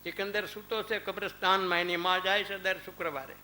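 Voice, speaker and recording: A man's voice: high-pitched, fairly even intonation, fairly quick, sharp tone. A man giving a conversational spiritual discourse to a small gathering. He calls on listeners by name and mixes in anecdotes and recited verses. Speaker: religious discourse speaker.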